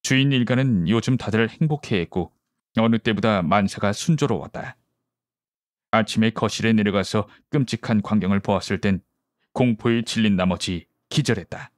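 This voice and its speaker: A man with a fairly low voice narrates a mystery audiobook. His reading is measured and literary, recorded at home with a very dry, close sound. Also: no echo. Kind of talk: scripted mystery story narration.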